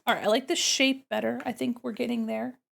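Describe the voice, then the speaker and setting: A woman's voice: on the high side, steady tone, brisk, vocal fry, a bit bright. A woman streaming her art, congested from a cold, chatting casually with viewers and murmuring to herself as she works. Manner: chatty, answers chat questions, murmurs to herself while working. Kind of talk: casual chat with viewers while drawing.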